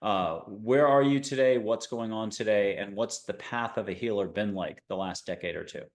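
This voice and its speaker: A man with a fairly low voice hosting an interview show on a video call. He keeps things chatty and upbeat, introducing his guest, throwing in quick asides, and steering the conversation along. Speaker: podcast host.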